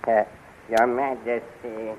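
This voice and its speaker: Man acting a slow, servile court magician. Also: mid-range voice, level tone, lightly acted. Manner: formal, servile, deliberate. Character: obsequious, secretly resentful male court magician. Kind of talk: 1930s radio acting. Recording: tinny, crackly 1930s radio recording.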